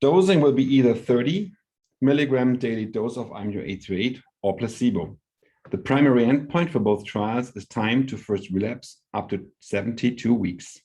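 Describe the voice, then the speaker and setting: Mid-pitched man presenting a formal company update. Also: normal speed, mellow. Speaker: company executive. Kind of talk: prepared earnings call presentation.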